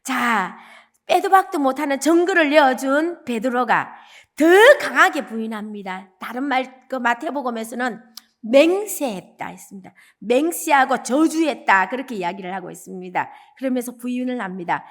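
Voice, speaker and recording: A woman evangelist with a Gyeongsang accent, preaching a dawn service sermon as animated storytelling. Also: on the high side, normal speed. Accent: Gyeongsang Korean. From Gyeongsang region, South Korea. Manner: animated storytelling, acting out quoted lines.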